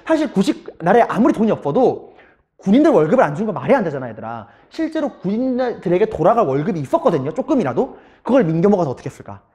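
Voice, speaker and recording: A man's voice: sits high, big pitch swings, quick pace, warm tone. A male middle school history teacher giving an online lecture, telling the story animatedly and talking straight to his students.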